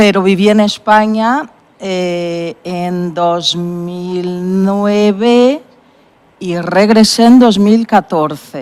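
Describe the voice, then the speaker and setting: Very slow speech from a woman with a Spanish accent, medium pitch and ordinary pitch variation. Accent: Spanish (Spain) accent in Spanish. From Brazil. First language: Portuguese (speaking Spanish). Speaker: teacher. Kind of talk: casual interview. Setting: studio.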